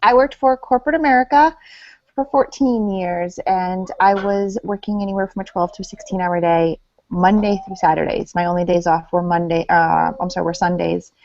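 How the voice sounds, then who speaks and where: A woman in her thirties, upbeat and energetic, introducing herself on a video call. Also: fairly low pitch, moderate pace. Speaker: guest on a video hangout. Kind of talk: casual self-introduction. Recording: dull lo-fi video call audio.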